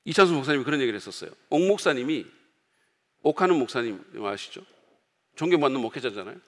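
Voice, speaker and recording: A man preaching as pastor to his congregation, in a conversational sermon style, loudly acting out the quoted outbursts of others. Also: mid-range voice, sing-song, fast talker, big-room sound. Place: church sanctuary.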